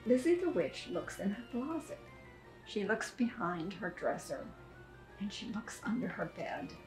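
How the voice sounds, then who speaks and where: An elderly woman reading aloud to young children as a preschool teacher, with simple, deliberate phrasing. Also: medium pitch, big pitch swings. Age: 70s or older. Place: furnished sitting room indoors. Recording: echoey room, music behind.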